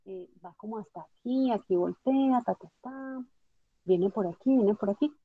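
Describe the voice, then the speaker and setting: A woman teaching a software tutorial step by step, patiently checking that her student follows along. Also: mid-range voice, normal speed, dry recording. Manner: patient, explanatory, checks understanding with tag questions. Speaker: instructor. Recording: dull lo-fi dry audio.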